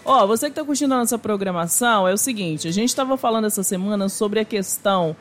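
A woman co-hosting a live radio show, chatting casually and sending shout-outs to listeners. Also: mid-range voice, animated, quick pace, soft background music. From Minas Gerais, Brazil.

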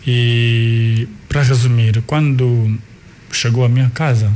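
A man in his forties with an Angolan Portuguese accent and a mid-pitched voice. Kikongo is his first language, and he tells his story thoughtfully, pausing and restarting as he searches for words. A faint hiss of noise sits under the recording. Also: steady tone, a little mellow. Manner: unhurried, restarts and repeats words while recalling. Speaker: guest, artist and cultural manager. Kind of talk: reflective life-story telling.

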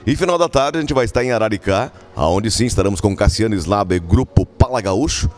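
Homem gaúcho animado no rádio. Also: male voice, on the low side, animated, fairly quick, darkish tone. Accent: Rio Grande do Sul Portuguese. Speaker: field reporter. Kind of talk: live radio report.

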